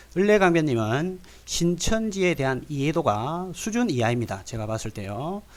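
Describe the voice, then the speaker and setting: A man speaks at a fairly slow pace with a strong Gyeongsang accent. His pitch swings very widely. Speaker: anti-cult commentator, YouTuber. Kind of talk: video commentary rebuttal. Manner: halting, many fillers.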